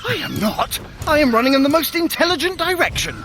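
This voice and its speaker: A man playing a quick-witted, scheming god in an audio drama, sardonic, urgent and commanding in manner. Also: very high-pitched, sing-song, noisy background, exaggerated voice. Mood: harried, dry. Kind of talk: audio drama acting for a fitness adventure.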